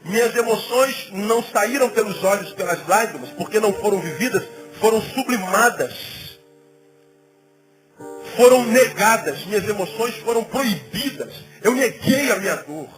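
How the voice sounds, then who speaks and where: A middle-aged pastor with a high voice preaches a sermon in church, speaking conversationally yet animatedly and building to emphatic rising peaks. Music plays behind him, and the recording quality is low.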